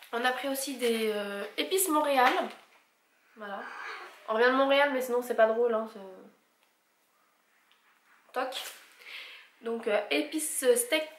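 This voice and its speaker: Her voice a little high, this vlogger takes her time and pauses often while going through a shopping haul. She casually lists items and prices, stumbling over English brand names, in an echoey room with slight noise.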